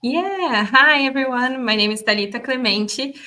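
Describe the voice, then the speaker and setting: A young woman with a Brazilian accent, her voice bright and slightly high. She talks in an upbeat, chatty way as a guest, with frequent fillers. Casual interview tone. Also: animated, normal speed. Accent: Brazilian Portuguese. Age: young adult. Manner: upbeat, many fillers and restarts. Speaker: guest, automation specialist.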